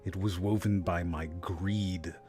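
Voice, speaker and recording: Stern businessman ghost in chains , male actor, grave and theatrical, very slow low delivery, music underneath, for audio drama. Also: steady tone, darkish tone. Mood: grave, ominous. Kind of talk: fan audio drama acting.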